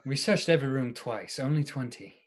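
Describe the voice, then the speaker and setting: A man playing an earnest, excitable gentleman among vampire hunters in a live radio play. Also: medium pitch, fairly quick, close to an everyday voice.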